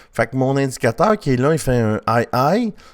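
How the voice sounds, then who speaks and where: A man's medium-pitched voice in a Quebec accent, with ordinary pitch variation and a fairly quick pace, on a very clean recording with a silent background. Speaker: crypto trading YouTuber. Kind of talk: chart analysis tutorial. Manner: fast.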